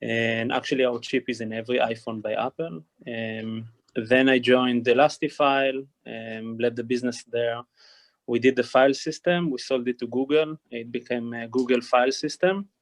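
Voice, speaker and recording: A man's voice: mid-range voice, steady tone, normal speed. A man from Israel with an Israeli accent introducing himself on a panel in clipped, matter-of-fact English. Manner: clipped, matter-of-fact, drops small words. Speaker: panelist, investor.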